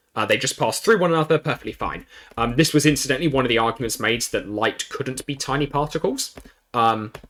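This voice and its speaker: A man's very fast speech in a southern English accent, medium in pitch with ordinary pitch variation. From southern England. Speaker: gaming YouTuber. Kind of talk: casual commentary while gaming. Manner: rambling, hesitant with many fillers.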